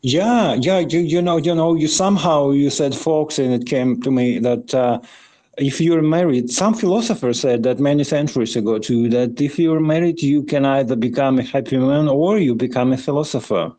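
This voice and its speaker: A man co-hosting a podcast, chatting in a casual, rambling way with halting, hesitant phrasing and repeated words. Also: mid-range voice, mellow. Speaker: podcast co-host.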